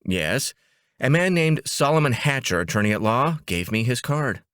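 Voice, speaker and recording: Man playing a bewildered, meek ad man, bright-voiced. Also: mid-range voice, big pitch swings, moderate pace, no room sound, clean studio sound. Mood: uncertain. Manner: hesitant, puzzled. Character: bewildered, meek male ad man, the hapless hero. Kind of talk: comic audiobook dialogue.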